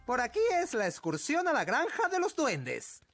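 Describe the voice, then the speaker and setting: A woman's voice: on the high side, huge pitch swings, normal speed, heavily acted. A woman voicing a pompous, bossy old male elf with a Latin American Spanish accent in a children's cartoon dub. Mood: instructive. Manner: pompous, pedantic, exclamatory. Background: music.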